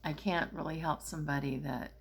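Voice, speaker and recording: A woman's voice: low-pitched, steady tone, a little fast, creaky, husky. A middle-aged woman, a spiritual therapist, telling a personal story in a casual, rambling way with many fillers and restarts.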